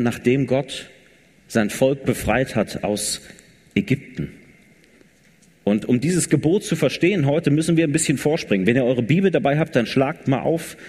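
Man, sermon, casual preaching, husky voice, long hall reverb. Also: medium pitch, darkish tone. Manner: casual, conversational preaching with dramatic retelling. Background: congregation.

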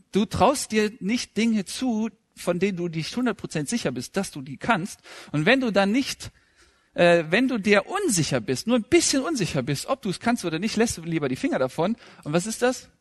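A man in his thirties preaching a sermon with a fairly high voice. He speaks conversationally and pokes fun at himself, then builds to emphatic rising questions. The sound is close and dry, with no room echo.

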